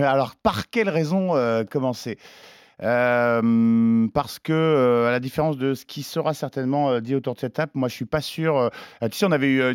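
Male panel pundit, halting and casual, mid pitch, very dry recording. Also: no room sound. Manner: very hesitant, halting phrasing. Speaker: sports consultant on a panel.

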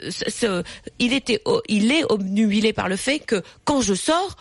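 A woman veterinarian giving calm, repetitive advice to callers on a radio call-in show. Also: medium pitch, moderate pace, gravelly, breathy edge, no echo, clean studio sound. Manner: explains patiently, repeats key points. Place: radio studio.

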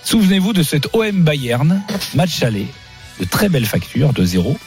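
A man's voice: a little high, big pitch swings, normal speed, a little mellow, faint music behind. A man running a quiz on a football show, teasing the players and laughing as he goes. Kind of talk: casual banter on a football quiz.

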